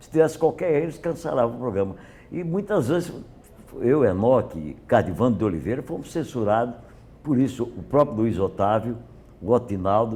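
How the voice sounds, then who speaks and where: With a dark, mellow tone, this voice moves at a moderate pace through very wide pitch swings and big swings in loudness. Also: man, medium pitch for a man. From Paraíba, Brazil. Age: 60s. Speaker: veteran radio host. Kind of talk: interview.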